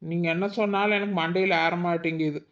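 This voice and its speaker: A man playing a teasing, sharp-tongued young village wife in a cartoon. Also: high-pitched, fairly even intonation, fast, dull audio, a little hiss or hum. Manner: teasing, cheeky. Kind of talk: cartoon voice acting.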